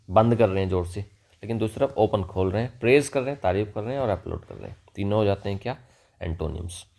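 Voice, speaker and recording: A man with an Indian accent teaches English vocabulary in Hindi, asking and answering his own questions and slowly reading example sentences. His voice is lowish and darkish.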